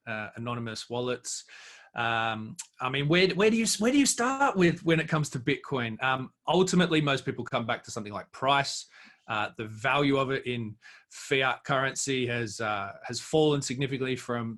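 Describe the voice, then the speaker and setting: A man giving off-the-cuff expert commentary as an interview guest, haltingly searching for words as he goes. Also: mid-range voice, pushed and bright.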